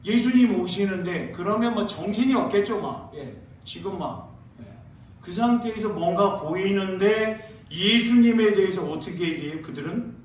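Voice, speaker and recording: A man preaching a sermon as pastor, asking his congregation questions and answering them himself, and reading scripture slowly. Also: high-pitched, lively intonation, a little hiss or hum. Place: church sanctuary. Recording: very echoey church, heard from a distance.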